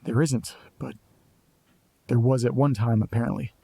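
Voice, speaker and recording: A man's voice: mid-range voice, fairly even intonation, vocal fry, mellow, breathy edge, no echo. A man playing a restless, sardonic young man. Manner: sardonic, restless, quick to jump to conclusions. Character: Nate, anxious young man chasing a mystery. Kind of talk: audio drama acting.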